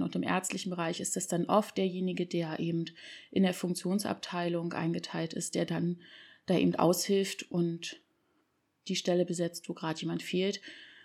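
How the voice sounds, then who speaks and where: This woman talks at a moderate pace with a fairly low pitch. Her intonation is flat and monotone, and the recording is very clean with a silent background. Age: 30s. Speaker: doctor. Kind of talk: interview.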